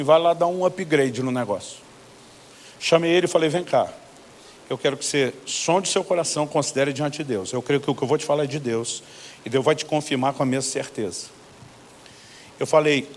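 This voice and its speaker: A man's voice: fairly high pitch, a little hiss or hum. A middle-aged man with a Brazilian Portuguese accent, a pastor preaching a sermon who tells stories and acts out both sides of the conversations. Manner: animated storyteller acting out both sides of conversations. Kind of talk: sermon storytelling with quoted dialogue.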